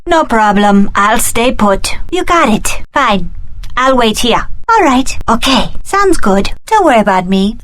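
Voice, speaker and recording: An actress voicing a tough, sassy, pragmatic young action heroine in a video game, with a cocky, snappy delivery. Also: female voice, fairly high pitch, a bit bright. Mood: eager, brisk. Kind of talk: scripted video game voice acting.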